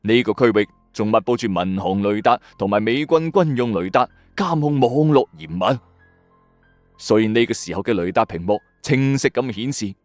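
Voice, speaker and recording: Male Cantonese narrator from a Hong Kong late-night mystery show: lively swooping delivery, dry close sound, music underneath. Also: on the low side, moderate pace, no echo. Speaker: storyteller host of a mystery radio channel. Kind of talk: dramatic scripted mystery narration.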